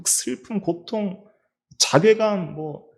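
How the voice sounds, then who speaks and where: A middle-aged pastor with a Daegu-region Korean accent preaches in a church sanctuary, leaning on rhetorical questions and repetition and asking his listeners many questions. His voice is high with vocal fry, and he takes it slowly.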